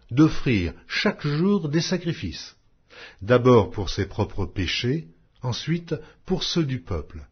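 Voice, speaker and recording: A man narrating an audio Bible in a solemn, measured, declamatory reading style. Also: medium pitch, breathy edge. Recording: dull lo-fi audio.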